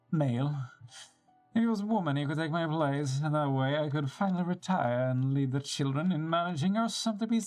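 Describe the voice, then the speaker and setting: Game role: proud, fond caravan leader and parent, stately and halting read by a streamer, lively pitch, faint music.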